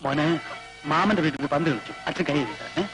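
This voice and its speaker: A man's voice: on the high side, animated, very fast, music in the background, lightly acted. An actor playing a nervous, evasive father in a film drama. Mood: uneasy.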